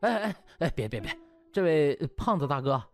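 Young male doctor acted by a male narrator, polite, hesitant, flustered, animated comic audiobook delivery. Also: on the high side, moderate pace, faint music behind. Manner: hesitant, stammering.

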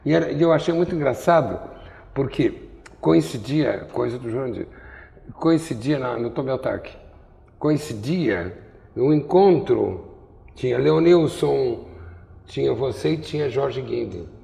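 A man's voice: mid-range voice, animated, unhurried, vocal fry, dark tone, in a large hall. An older man from Brazil interviewing in an artist's studio on a lapel mic, telling wry, digressive stories. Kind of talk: rambling conversational interview.

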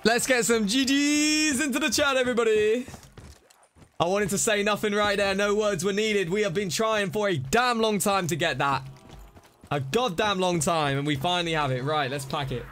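A man's voice: high-pitched, moderate pace, a little hiss or hum. A young man streaming a zombie shooter, chatting with viewers and losing his voice from the hype. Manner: excitable, chatty, greets chat by name. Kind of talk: live-stream gameplay chat.

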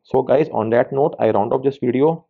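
A man's voice: mid-range voice, moderate pace, vocal fry. A man narrating a step-by-step tech tutorial, instructing viewers directly as the host. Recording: tinny phone-like band-limited sound.

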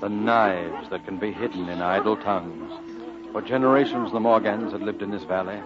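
A man's voice: on the low side, moderate pace, lightly acted. An actor playing a grown man solemnly recalling his boyhood, in a literary 1940s radio drama narration. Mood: somber. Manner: reflective, literary storytelling. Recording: muffled old radio broadcast with music.

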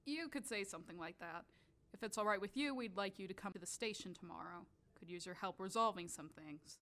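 A woman playing a cool, businesslike police officer in low-key audio drama dialogue. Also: pushed and bright. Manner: measured, businesslike.

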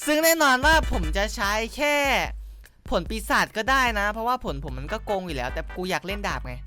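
A man giving excitable, crude, joking commentary while he plays a game, often yelling, close on a desk mic. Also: sits high, a little fast, over music. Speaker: gaming YouTuber. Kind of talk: gameplay commentary.

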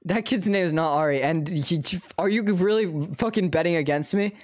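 A man's voice: sits high, a little fast. A young man streaming a game, chatting casually with a friend in a loose, joking, profane way. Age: teens. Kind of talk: casual gaming chat.

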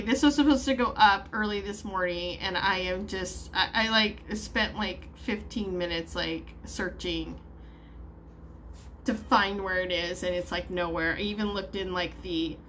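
Bright-voiced woman vlogging at home, slow rambling. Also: mid-range voice, slight background noise. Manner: rambling, frustrated, many fillers and laughs. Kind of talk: casual vlog chat.

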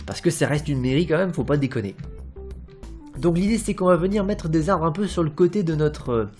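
A man's voice: fairly high pitch, brisk, a little mellow. Casual man narrating a build. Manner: rambling and informal, many fillers and "hop", playful. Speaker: Minecraft building tutorial host. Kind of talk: casual gameplay tutorial narration. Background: faint background music.

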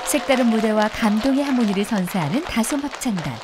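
A woman's voice: a little high, animated, fast talker, a crowd in the background, noisy background. A woman reading scripted documentary narration. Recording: prominent music behind voice-over.

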